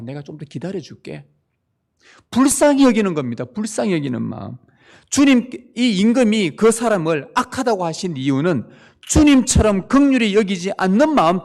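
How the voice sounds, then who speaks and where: A man's voice: sits high, a little mellow. A male pastor giving a sermon, speaking emphatically and putting rhetorical questions to the congregation, in a church sanctuary.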